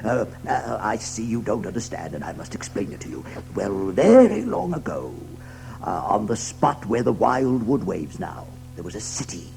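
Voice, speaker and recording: A man's voice: fairly low pitch, huge pitch swings, normal speed, gravelly, a little mellow, soft background music, heavily acted. An actor playing a hospitable older male badger in a children's audio drama, chuckling, hesitating and repeating his words. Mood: reflective, storytelling.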